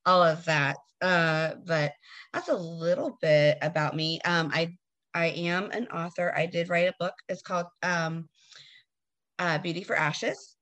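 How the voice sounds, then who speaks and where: Woman co-host from texas, bit lower voice, friendly, lots of ums and uhs. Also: a bit bright. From Southern US, Texas. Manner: friendly, many um and uh pauses. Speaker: podcast co-host and author. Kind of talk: casual podcast chat.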